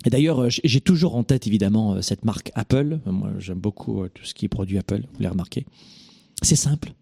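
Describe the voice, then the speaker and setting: A man with a French accent hosting a motivational talk, emphatic, asking rhetorical questions and pausing on hesitations. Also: on the low side, lively intonation, vocal fry, mellow, slightly rough, dry recording, clean studio sound. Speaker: host and success coach.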